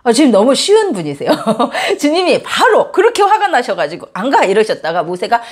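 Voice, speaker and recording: A woman pastor giving a church sermon, animated and joking, speaking directly to her congregation. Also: fairly high pitch, fairly quick. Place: church service.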